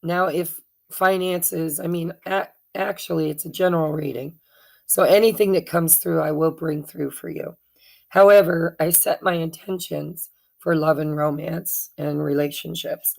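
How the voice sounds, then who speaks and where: A woman with a hoarse voice from allergies, giving a casual tarot card reading in a chatty, meandering way with many fillers and self-corrections. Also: low-pitched, fairly even intonation, measured pace, darkish tone, poor audio. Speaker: tarot reader.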